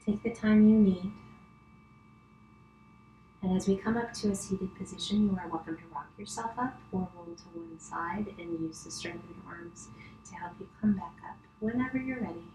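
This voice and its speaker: A middle-aged woman guiding a yoga class with gentle, unhurried, soothing cues and pauses. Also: mid-range voice. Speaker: yoga instructor. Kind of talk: guided yoga instruction. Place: wood-panelled living room, indoors. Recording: roomy echo, clear background noise, distant camera.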